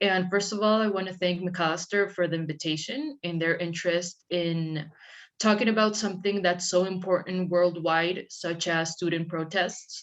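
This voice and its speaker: Her pitch fairly low, a woman with a Spanish accent speaks at a moderate pace. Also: fairly even intonation. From Peru (Lima). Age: 20s. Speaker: journalism student, panelist. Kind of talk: panel discussion introduction.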